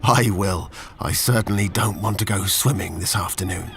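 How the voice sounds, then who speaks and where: A man voicing a slow, kindly old Labrador dog from a children's storybook, with a hesitant, gentle, wavering manner. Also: deep voice, slight background noise, pitched below the performer's own voice. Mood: gentle, weary.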